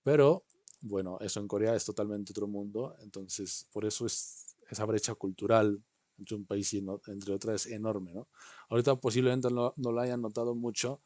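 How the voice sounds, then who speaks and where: A man's voice: on the low side, steady tone, normal speed, darkish tone, no echo. A man teaching an online class, patiently explaining and often checking in with his students. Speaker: language teacher. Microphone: video call.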